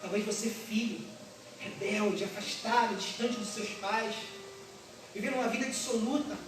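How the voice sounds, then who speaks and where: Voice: medium pitch, normal speed, far from the mic, noisy background. A pastor preaching a passionate sermon, emphatic and repetitive, firing rhetorical questions at the congregation. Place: large echoey church hall. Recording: echoey hall, recorded from afar.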